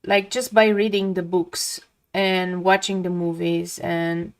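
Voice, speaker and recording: A woman's voice: fairly low pitch, level tone, slow. A woman from Romania, speaking English as a second language, chatting casually and reflectively while she paints on a live stream, often trailing off mid-sentence.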